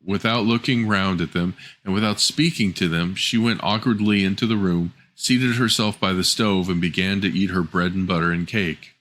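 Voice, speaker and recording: A man's voice: low voice, steady tone, normal speed, hardly any pauses, a bit bright. A man reading a scripted fairy tale as a storyteller.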